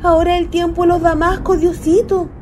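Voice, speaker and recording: A woman's voice: very high-pitched, little pitch movement, brisk, background noise. A woman playing a lovestruck young ghost, a naive country girl with a Chilean accent and earnest colloquial speech, in a radio play. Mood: pleading. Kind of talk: radio theatre acting.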